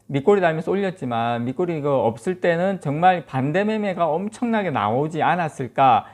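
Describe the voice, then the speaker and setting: A man's voice: fairly high pitch, animated, fairly quick. A man hosting a stock market channel, casually explaining the market to viewers and counting off his points with lots of filler words.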